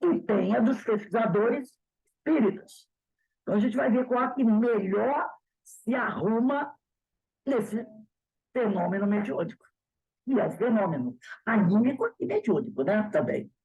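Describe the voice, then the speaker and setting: A woman's voice: a little high, a little slow, gravelly, slightly rough, phone-quality sound. A woman with a Brazilian accent leading a spiritist study class, telling a story and acting out both sides of the dialogue. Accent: Brazilian Portuguese. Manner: animated, retells dialogues with repetition. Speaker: spiritist study group teacher. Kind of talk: casual class talk with storytelling.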